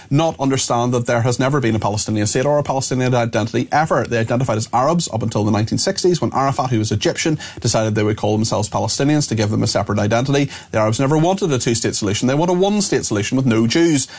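A smooth radio host, a man whose fluent on-air delivery moves at a quick clip. His pitch sits in an ordinary middle range. He reads listener messages and links one segment to the next without losing pace. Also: a little mellow. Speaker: radio talk show host.

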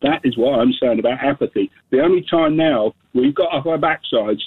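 Husky seventy-year-old man on a phone line. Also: mid-range voice, normal speed. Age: 70s. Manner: insistent, talks over the host. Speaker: caller. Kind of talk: radio phone-in call.

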